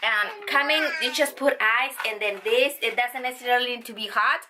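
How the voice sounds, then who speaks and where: A woman reviewing products in a chatty vlog, with excited exclamations. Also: on the high side, fairly quick, background noise. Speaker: unboxing vlogger.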